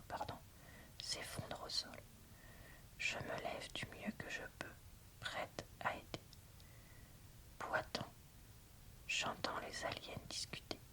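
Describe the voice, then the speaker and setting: A woman softly whispering as she reads a novel aloud in an unhurried, deliberate ASMR style. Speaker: booktuber reading a novel aloud and reviewing it. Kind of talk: ASMR whispered book reading.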